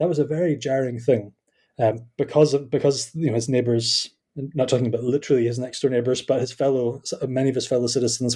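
A man with a Scottish accent speaks at a medium pitch in a monotone, flat intonation, sounding somewhat breathy. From Scotland. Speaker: theologian and university lecturer.

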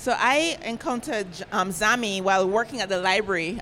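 This woman talks at a fairly quick pace. Her pitch is medium, with ordinary pitch variation. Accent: Jamaican. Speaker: novelist. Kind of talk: live panel interview. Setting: stage with audience.

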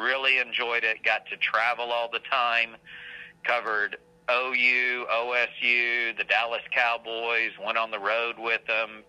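In an American accent, the speaker talks at a very slow pace with monotone, flat intonation. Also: man, medium pitch for a man. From Oklahoma, small town. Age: 50s. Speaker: high school sports media relations director, former sports reporter. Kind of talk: casual interview.

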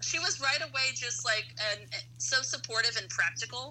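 Noticeable background noise is heard as a woman speaks. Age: 40s. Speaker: film director. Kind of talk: interview. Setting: video call.

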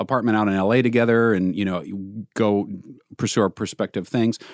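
Very fast speech comes from a man with a fairly low pitch. The recording is very clean, with a silent background and a dry, close sound with no echo. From US, moved often growing up. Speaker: animator and children's show creator. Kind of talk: casual chat.

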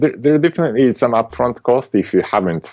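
A man with a Japanese accent and medium pitch talks at a fairly quick pace, recorded with a dry, close sound with no echo. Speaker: software developer and CTO. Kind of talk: casual tech interview. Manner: halting, hesitant with fillers.

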